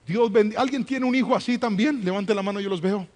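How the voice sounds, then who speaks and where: A man with a notably high voice preaches to a congregation. He builds repeated rhetorical questions and calls for amens and raised hands, mixing personal stories into the sermon. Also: fairly quick, darkish tone. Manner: rhetorical, call-and-response with congregation. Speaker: associate pastor. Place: church before a congregation.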